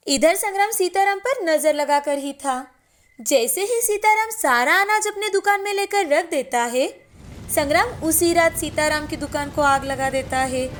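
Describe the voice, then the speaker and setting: A woman narrating a scripted cartoon story in a steady, clear storytelling way. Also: high voice, a little slow.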